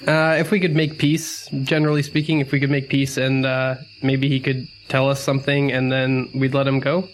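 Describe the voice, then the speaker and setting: A man's voice: mid-range voice, level tone, normal speed, few pauses, slight background noise. Hesitant man in a tabletop game. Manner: hesitant, thinking aloud. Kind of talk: casual improvised roleplay chat.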